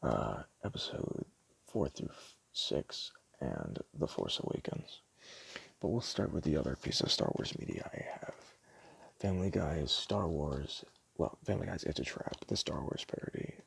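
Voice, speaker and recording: A man doing a casual, rambling ASMR roleplay, talking hesitantly and stumbling as he reads things out, in a very deep, gravelly voice. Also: sing-song, normal speed, dry recording. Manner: casual, hesitant, stumbles over words and self-corrects. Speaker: ASMR roleplay performer playing a DVD store clerk.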